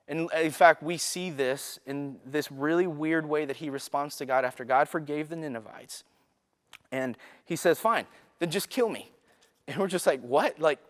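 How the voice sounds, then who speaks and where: A young man preaching a student sermon in a conversational way, often checking in with the audience by asking "right?". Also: on the high side. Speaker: youth pastor.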